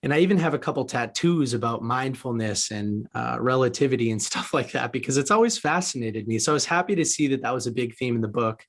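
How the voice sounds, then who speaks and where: A man's voice: mid-range voice, expressive, fast talker, hardly any pauses. A man from the United States hosting a conversational podcast interview, musing reflectively at length.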